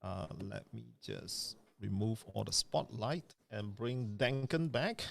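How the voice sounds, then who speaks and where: A man's voice: on the low side, expressive, takes it slowly, gravelly, a bit bright. A man hosting an online speech event over a video call, chatty and full of fillers. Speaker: event host.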